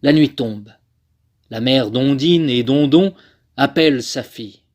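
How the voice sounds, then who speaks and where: A man, a voice actor, delivering scripted narration in a theatrical, measured manner. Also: medium pitch, darkish tone. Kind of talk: scripted dramatic narration for a demo reel.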